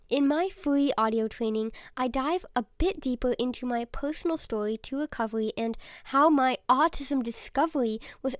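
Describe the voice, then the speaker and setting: A young woman in her twenties hosting a solo podcast, talking earnestly and openly about herself, a little raspy and congested from a sore throat and stuffy nose. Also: high-pitched, no echo, clean studio sound. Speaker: podcast host.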